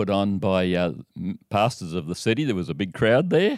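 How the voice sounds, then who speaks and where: In a very clean recording with a silent background, a man with an Australian accent talks at a moderate pace with lively intonation. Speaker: podcast host. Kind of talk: interview chat.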